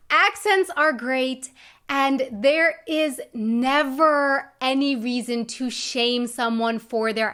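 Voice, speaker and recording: A high-pitched American woman in her thirties addresses her vlog audience directly. She talks in an earnest, encouraging way, stressing her main points with lively emphasis. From United States. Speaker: vlogger. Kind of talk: earnest personal vlog talk.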